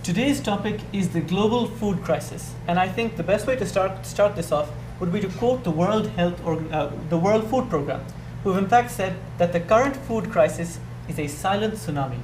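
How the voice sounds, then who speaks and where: A young man from Bangladesh, moderating a student panel discussion in a measured, formal way. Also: sits high, animated. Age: young adult. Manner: measured, formal, repeats words while thinking. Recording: echoey room with background noise.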